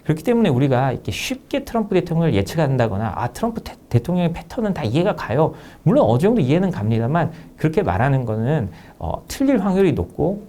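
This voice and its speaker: Animated, mellow-voiced man explaining. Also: fairly high pitch, slight background noise. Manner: measured, emphatic analytical explaining. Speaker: author interviewed as guest. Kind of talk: explanatory interview answer.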